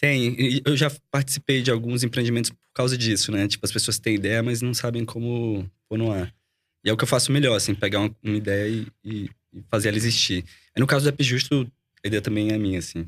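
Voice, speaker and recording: His intonation is fairly even. The man talks at a fairly quick pace. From Brazil, Fortaleza (Ceará); Ceará, Brazil. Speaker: tech entrepreneur, CTO; podcast guest. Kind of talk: podcast interview. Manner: casual, filler-heavy. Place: studio. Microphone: studio mic.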